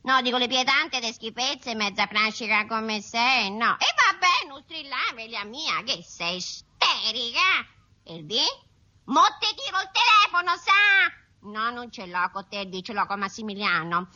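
A woman's voice: fairly high pitch, pushed and bright. Woman playing a scolding housewife. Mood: exasperated. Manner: exasperated, scolding, rapid dialect chatter. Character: chatty harried middle-aged housewife on phone. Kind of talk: 1970s-80s radio sketch acting. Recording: dull lo-fi old radio recording.

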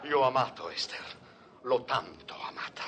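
An actor playing a pompous, melodramatic opera conductor who talks in grand, theatrical phrases and grows exasperated. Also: male voice, medium pitch, animated, moderate pace, fairly bright tone, slight background noise, natural voice. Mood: grandiose. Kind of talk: comic sketch dialogue.

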